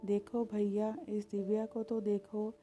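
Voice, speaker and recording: Woman voicing a village man, gossiping, exclaiming, mellow tone. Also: medium pitch, little pitch movement, a little slow, faint music behind, natural voice. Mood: amazed.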